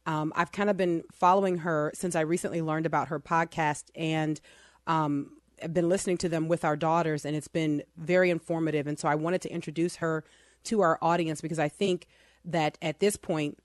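A woman's voice: sits low, steady tone, normal speed, no room sound, studio quality. Earnest woman hosting a faith talk show. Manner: earnest, chatty, many restarts and fillers. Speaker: podcast host. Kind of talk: casual Christian talk show chat.

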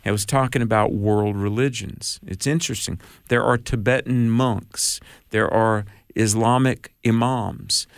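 Man on talk radio, animated, quotes scripture, dry close sound. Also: fairly low pitch, unhurried, creaky, hardly any pauses, no room sound. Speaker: radio show guest and apologist. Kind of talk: casual radio chat.

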